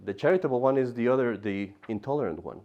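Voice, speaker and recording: A man's voice: medium pitch, fast talker. Man teaching a catechism class, dull recording. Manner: animated, repeating himself, with asides to the class.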